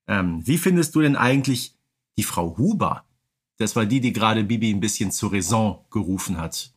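A man's voice: fairly low pitch, lively intonation, normal speed, breathy edge. A man talking in an explanatory, conversational way as co-host of a casual podcast, often adding tag questions.

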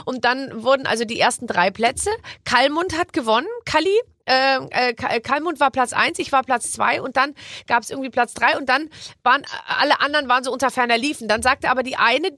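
A woman hosting a podcast, chatting in a lively, joking way. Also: sits high, dry recording, studio quality. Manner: lively, joking, quick to laugh. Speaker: podcast host. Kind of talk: casual chat.

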